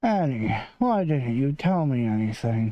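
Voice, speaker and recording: Pitched low-to-middle, a put-on character voice proceeds at a moderate pace. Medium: actual play.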